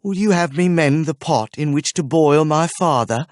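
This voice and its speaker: A man voicing a surly, defiant young smith who answers with sharp anger. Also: fairly high pitch, moderate pace, no room sound, studio quality, pitched above the performer's own voice, close to an everyday voice. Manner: surly, angry.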